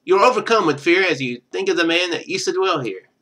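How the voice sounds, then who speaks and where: Bright-voiced man, lively game streamer. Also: high-pitched, fast. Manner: rambling, chatty asides between read passages. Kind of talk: reading visual novel aloud with casual live commentary.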